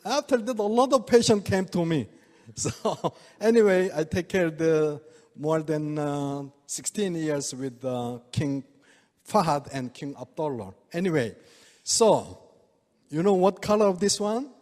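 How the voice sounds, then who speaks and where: An older Korean-accented man gives a talk in broken, halting English, often breaking into chuckles. His voice sits a bit high for a man. The long reverb of a large hall trails every phrase. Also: lively intonation, darkish tone. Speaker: speaker, oriental medical doctor. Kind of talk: presentation to a live audience.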